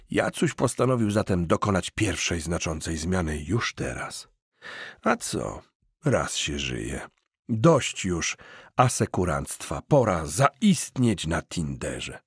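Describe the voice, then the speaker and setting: A man's voice: low-pitched, husky, no echo. A man narrating an audiobook in a wry comic storytelling manner, recorded close on a studio mic.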